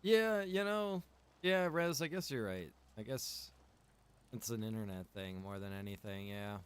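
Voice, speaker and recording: A man's voice: fairly low pitch, lively intonation, unhurried, clear, resonant tone. A man past his early twenties chats casually on a gaming livestream, rambling informally and circling back over his phrases. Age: adult, past early twenties. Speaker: game streamer and server owner.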